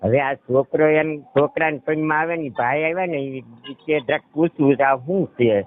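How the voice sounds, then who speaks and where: A man's voice: on the high side, normal speed. Gujarati man on a tinny phone line. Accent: Saurashtra Gujarati. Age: middle-aged. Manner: repeatedly checks the listener understands. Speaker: caller. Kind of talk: rambling personal account on a phone call. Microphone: telephone. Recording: tinny narrowband phone call recording.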